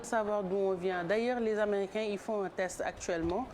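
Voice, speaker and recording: A woman's voice: mid-range voice, fairly even intonation, fairly quick, crowd noise. A woman co-host on a TV talk show joining the conversation with a chatty comment. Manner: brief backchannels, then a reflective chatty comment. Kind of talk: casual talk show chat. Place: TV studio. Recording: TV studio broadcast with noticeable noise.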